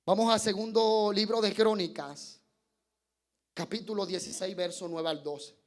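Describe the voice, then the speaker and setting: A man's voice: high voice, fairly even intonation, normal speed. A man preaching a sermon at a church service, questioning the congregation and chuckling between points. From Colombia.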